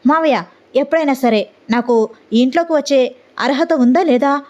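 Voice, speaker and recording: A fiery young woman with a bold, confrontational edge, as a female storyteller puts her on. Her voice sits fairly high. The audio-story recording sounds slightly muffled. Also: normal speed, darkish tone, lightly acted. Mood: angry, defiant.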